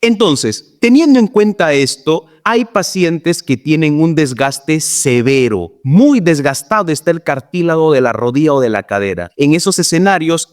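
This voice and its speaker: A middle-aged male rheumatologist giving an explanatory health talk, addressing viewers directly as friends and quoting his patients. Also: on the high side.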